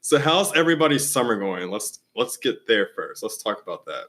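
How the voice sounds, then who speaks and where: A man's voice: mid-range voice, big pitch swings, fairly quick, a bit bright. A man in his late twenties co-hosting a casual podcast, teasing his friends and steering the conversation. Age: late 20s. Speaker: podcast co-host. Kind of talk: casual chat.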